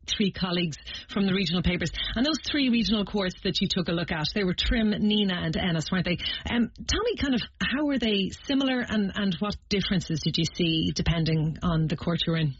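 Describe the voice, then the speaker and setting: A woman hosts a radio interview, steering her guest with relaxed, conversational questions and quick summaries. Her voice is somewhat low for a woman. The recording is slightly dull, with a faint hiss underneath.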